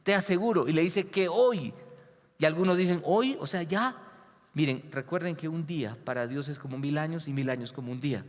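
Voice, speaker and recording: Animated preaching man in a reverberant hall. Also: on the high side, brisk. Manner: animated preaching, rising to emphatic peaks. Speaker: pastor. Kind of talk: sermon. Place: church hall. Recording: long reverb of a church hall.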